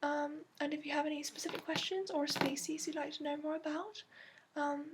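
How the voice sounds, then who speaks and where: ASMR fantasy mentor played by a woman: high, hushed, even-toned, put-on accent, gentle and hesitant delivery. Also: fairly quick, very noisy. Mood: gentle, encouraging. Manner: hesitant, gentle, meandering explanations with frequent fillers. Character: soft-spoken, patient female dragon expert interviewing a new student. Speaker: ASMR roleplayer. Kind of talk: ASMR roleplay, hushed and improvised.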